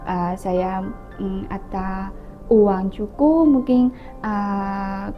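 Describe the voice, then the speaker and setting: A young woman from China with a Chinese accent, a native Mandarin speaker, answering interview questions as a student in halting foreigner's Indonesian. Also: mid-range voice, fairly even intonation, lo-fi sound, soft background music. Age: young adult. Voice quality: difficulty rolling the R. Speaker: student guest.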